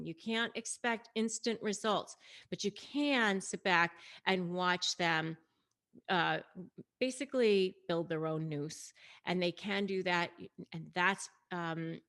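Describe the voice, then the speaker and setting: A woman's voice: mid-range voice, fairly bright tone. A woman speaking as an online coach, explaining and advising in a conversational, emphatic way straight to her viewers. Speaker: online negotiation coach and host. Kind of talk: explanatory video talk to camera, retelling and advising.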